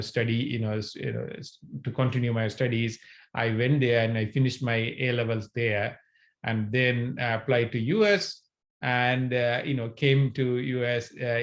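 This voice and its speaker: Guy in his 40s from sri lanka, lots of uh and you know, handheld mic at home, mid pitch. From northern Sri Lanka. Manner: halting, many fillers and restarts. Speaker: entrepreneur sharing his story. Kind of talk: casual talk to camera. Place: home room, indoors. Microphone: handheld mic, webcam framing.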